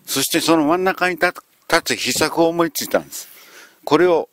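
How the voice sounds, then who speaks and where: A man telling a history lesson as a lively story, acting out the quotes along the way. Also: fairly high pitch, fairly quick, no room sound. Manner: animated, acts out quotes. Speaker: history lecturer.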